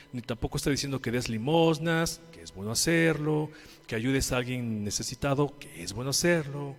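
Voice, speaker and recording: Mexican male pastor, mid-range voice, preaches with questions, loud then hushed, long church reverb. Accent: Mexican Spanish. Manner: preaching with rhetorical questions and call-and-response; swings between loud emphatic lines and quiet low ones. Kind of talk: sermon.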